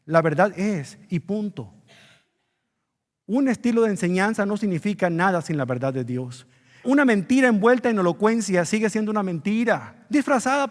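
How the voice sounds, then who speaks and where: A man's voice: high voice, big-room sound. A man preaching a sermon as pastor, earnest, pressing his key words with rising emphasis, speaking to his congregation in a church.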